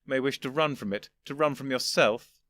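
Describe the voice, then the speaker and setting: A man voicing a white-haired elderly gentleman who explains things with weary, condescending patience in a storybook reading. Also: mid-range voice, normal speed, dry recording, natural voice. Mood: lecturing. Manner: precise, lecturing, wearily patient.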